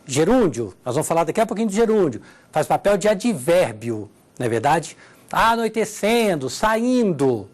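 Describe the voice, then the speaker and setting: A woman's voice: lowish voice, sing-song, moderate pace, a little mellow. A woman teaching Portuguese grammar in a televised lesson, walking through examples and checking in with her listeners. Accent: Brazilian Portuguese.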